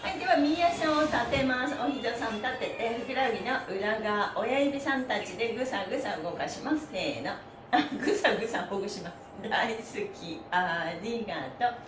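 A middle-aged woman leads a stretching session in a cheerful, chanting singsong. Her voice sits on the high side. It is picked up from a distance in a very roomy indoor space. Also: lively intonation, moderate pace, background noise. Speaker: stretching instructor and host. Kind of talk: live exercise instruction with chanted counts. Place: small indoor studio with bare wall and floor mat. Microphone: camera a few metres away. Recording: roomy, distant mic, music behind.

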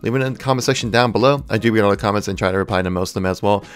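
A man's voice: fairly low pitch, racing, smooth. A man hosting a gaming channel, giving news commentary in an enthusiastic, informal way.

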